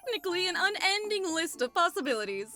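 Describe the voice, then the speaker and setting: An eccentric lady scientist acted by a woman speaks in a high, swooping voice. She is theatrical, precise and unsettlingly enthusiastic, in an audio drama with music underneath. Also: sing-song, fast. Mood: eager, explaining.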